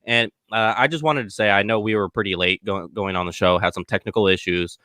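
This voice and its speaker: A man hosting a podcast from an upstairs room on a laptop, chatty and relaxed as he hands the floor to others. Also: on the low side, fairly quick, no echo. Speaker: podcast host.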